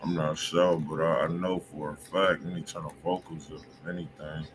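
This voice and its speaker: Brief: very deep male host, crisp forceful edge, relaxed slangy chat, faint room hum. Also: moderate pace. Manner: laid-back, slangy, agreeable. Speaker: music review stream host. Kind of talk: casual live stream chat.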